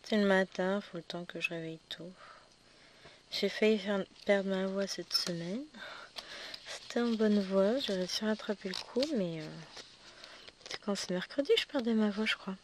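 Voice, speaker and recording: A woman with a slightly hoarse morning voice talks casually to her viewers while she works, often dropping into a near-whisper. Steady background noise sits clearly behind her. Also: medium pitch, moderate pace. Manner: chatty, self-correcting, often drops to a whisper. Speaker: cross-stitch vlogger. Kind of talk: casual chat while stitching.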